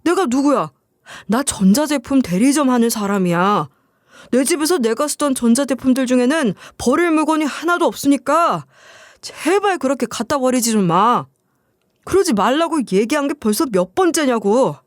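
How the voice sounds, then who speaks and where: An exasperated husband fires scolding question after question, voiced by a woman reading a story. The voice sits high and swings widely in pitch. It is recorded close and dry. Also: lively intonation, moderate pace, dry recording. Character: irritated husband, appliance store owner.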